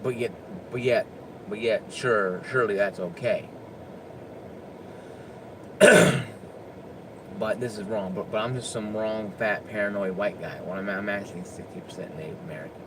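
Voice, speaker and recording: A man with a low-pitched voice holds forth in an unscripted opinion rant. He talks with emphasis and often stumbles into repeated restarts. A clear hum of air conditioning and passing traffic runs under the recording. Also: normal speed, pauses often. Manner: emphatic, with frequent stammered restarts. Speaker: political commentator.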